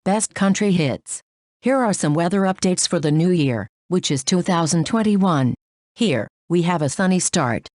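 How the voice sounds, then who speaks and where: Low-pitched woman presenting radio weather. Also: darkish tone, no room sound, clean studio sound. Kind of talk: scripted radio weather update.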